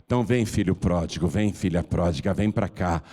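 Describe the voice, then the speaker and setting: Fervent Brazilian pastor in a reverberant hall. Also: male voice, sits low, brisk. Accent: Brazilian Portuguese. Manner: fervent, swings from soft pleading to loud calling. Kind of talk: preaching a sermon with an altar call. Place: large church hall.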